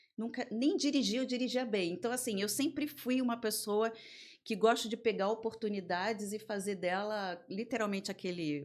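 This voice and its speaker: With a Rio de Janeiro accent, a woman speaks in a fairly high pitch. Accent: Rio de Janeiro (carioca). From Rio de Janeiro, Brazil. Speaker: business mentor and constellation facilitator. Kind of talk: interview.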